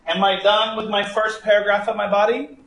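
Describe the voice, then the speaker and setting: A man's voice: high-pitched, little pitch movement, fairly quick, vocal fry, a bit bright. A man teaching a live writing class, thinking aloud and putting playful, teasing questions to his students. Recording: echoey room with faint background noise.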